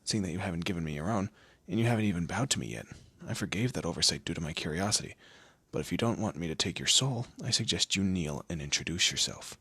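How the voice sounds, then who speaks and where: A man's voice: low-pitched, animated, fast talker, few pauses, bright, forceful tone, breathy edge, no echo, exaggerated voice. A man voicing a smug, teasing demon lord in a scripted audio roleplay, with a theatrical, condescending manner and amused asides. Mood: haughty, commanding. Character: smug, teasing male demon lord, proud torturer and bureaucrat.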